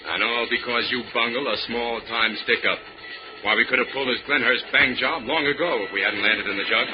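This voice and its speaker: An actor playing a hard, cautious ex-convict ringleader, gruff and domineering, in a 1940s radio crime drama. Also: male voice, mid-range voice, fairly quick, lightly acted. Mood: bitter, hard. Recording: muffled, hissy old radio recording.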